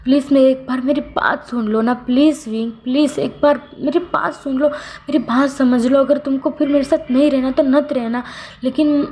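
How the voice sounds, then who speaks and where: A lovesick young man begging to be heard, repeating his plea again and again, as a woman storyteller acts him out. The voice is raised a little in pitch and soft in tone. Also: fairly even intonation, normal speed, slight background noise, close to an everyday voice. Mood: pleading. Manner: pleading, repeating himself.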